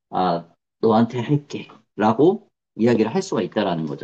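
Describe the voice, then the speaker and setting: At a moderate pace, a man with a dark, mellow tone speaks with very wide pitch swings. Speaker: corporate consulting instructor. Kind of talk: lecture.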